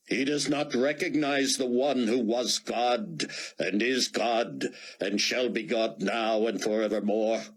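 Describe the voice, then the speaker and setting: A man's voice: mid-range voice, fairly bright tone, pitched above the performer's own voice. A man voicing a stern street preacher, declaiming in a commanding tone. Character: stern male street preacher, booming and prophetic.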